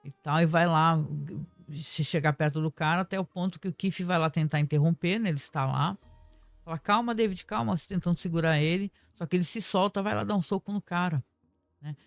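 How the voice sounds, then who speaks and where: A man, reviewing a TV series episode in casual talk, animated and indignant, retelling scenes with quoted dialogue. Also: fairly high pitch, brisk, dry recording, soft background music.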